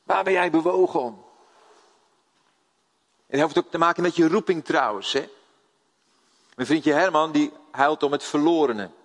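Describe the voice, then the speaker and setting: A man's voice: on the high side, a little slow, pauses often. Older man preaching in a reverberant hall. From Netherlands. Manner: lively storytelling, asks the audience questions. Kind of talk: sermon.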